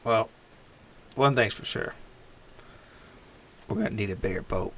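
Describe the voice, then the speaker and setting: A man's voice: lowish voice, unhurried, a bit bright. A man hosting and playing on a casual tabletop roleplay podcast, talking in an informal, jokey way. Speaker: podcast host and player.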